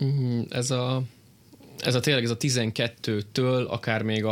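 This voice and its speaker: Very slowly, the words come out with fairly even intonation. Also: man. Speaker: esports player. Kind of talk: studio interview discussion.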